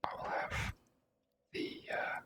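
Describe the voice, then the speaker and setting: A person whispering slow, gentle ASMR commentary while playing a video game. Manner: hushed, gentle, slow and unhurried. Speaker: video game player and host.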